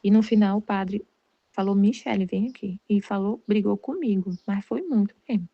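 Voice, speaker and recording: A woman's voice: mid-range voice, moderate pace, muffled recording. A Brazilian woman giving a casual personal faith testimony, rambling with many restarts and repeated words. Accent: Brazilian Portuguese. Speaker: Catholic study group leader.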